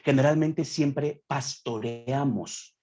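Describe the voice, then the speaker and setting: A man's voice: medium pitch, slow pace, warm tone. A young man speaking as a guest on a podcast, preaching earnestly and acting out quoted voices as he explains a point.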